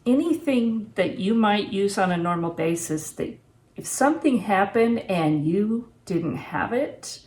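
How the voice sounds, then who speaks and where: A woman in her sixties, her voice mid-range and a little mellow, talks casually and unscripted to the camera in her home kitchen. She's a homesteading vlogger reviewing gear and offering practical advice in a plain-spoken, reflective way.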